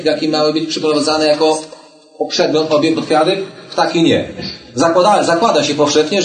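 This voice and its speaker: A man leading a Bible study lesson, reading verses aloud and explaining them in a conversational way with rhetorical questions. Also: on the high side. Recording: echoey room, mic at a distance, faint noise.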